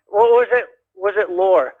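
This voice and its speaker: A man calling in to a radio show, rambling in a halting way with many fillers and restarts. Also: high voice, husky. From United States. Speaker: caller. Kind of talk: rambling call-in chat. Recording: dull lo-fi phone call.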